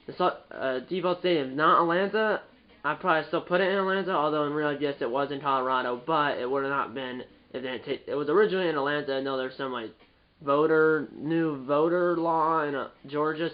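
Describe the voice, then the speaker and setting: A man's voice: fairly high pitch, dull audio. A young man with a stuffed-up, nasal voice hosting a gaming video, rambling casually with frequent restarts and self-corrections. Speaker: gaming channel host. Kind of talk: casual gameplay commentary.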